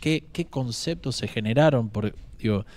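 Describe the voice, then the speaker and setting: Over a quiet background, a man with a dark, mellow tone and medium pitch speaks at a fairly slow pace, his pitch varying in the ordinary way. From Argentina. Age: 30s. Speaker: stream host. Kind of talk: casual political chat. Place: studio. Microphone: studio mic.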